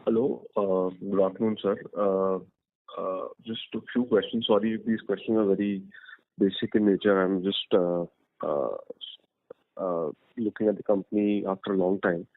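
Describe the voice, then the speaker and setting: A man asking questions as an analyst on an earnings call, speaking politely and haltingly. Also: deep voice, fairly even intonation, dry recording. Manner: deferential, hesitant, halting. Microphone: telephone. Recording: narrowband phone line.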